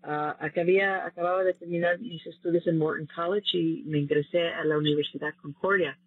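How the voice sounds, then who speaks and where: A woman's voice: on the low side, steady tone, fairly quick, breathy edge, no room sound. A woman telling her own story as a former scholarship recipient in an interview, earnest, with hesitant restarts. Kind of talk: casual personal story in an interview. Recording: dry tinny phone-like line.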